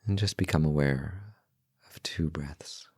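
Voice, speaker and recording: A man with an extremely low voice guides a meditation, calm and gentle. He speaks in short, unhurried phrases with long pauses between them. The sound is dry and close, with no room around it. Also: slightly rough, dry recording. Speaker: meditation guide, podcast host.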